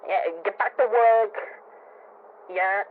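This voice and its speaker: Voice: medium pitch, steady tone, slow pace, a little hiss or hum. Someone voicing a cheery, rambling British male business partner, heard as a voicemail played over a phone. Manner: rambling, jokey, talks to people off-line. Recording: tinny phone-line voicemail.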